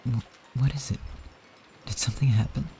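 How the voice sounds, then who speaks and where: A man's voice: medium pitch, fairly even intonation, moderate pace, gravelly, dark tone, a little hiss or hum, voice pushed up, close to an everyday voice. Guy voicing a scared middle-aged lady, urgent, pleading. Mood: alarmed. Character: anxious middle-aged woman, frightened.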